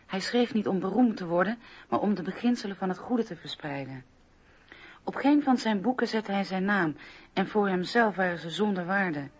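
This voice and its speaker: A woman playing a loyal, admiring eighteenth-century friend, reading earnestly and in a measured way in a radio documentary drama. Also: medium pitch, expressive, slightly rough, dull audio. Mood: earnest admiration. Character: Amélie Suard, loyal admiring 18th-century female friend.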